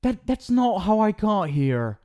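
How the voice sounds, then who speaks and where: A man's voice: high-pitched, sing-song, a little slow, mellow. A man playing an exasperated ghost soulmate. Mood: sheepish fumbling. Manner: scolding, exasperated, swears a lot; flustered, stumbling restarts when explaining. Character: exasperated male ghost soulmate back from the afterlife. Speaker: ASMR roleplay performer. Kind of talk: ASMR roleplay.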